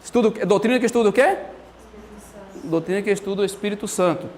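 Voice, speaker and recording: A man teaching Bible doctrine in a lively, storytelling way with a Brazilian Portuguese accent, acting out the quotes. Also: high-pitched, quick pace, a little hiss or hum. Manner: animated storytelling, acts out quotes. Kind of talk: lively church teaching talk.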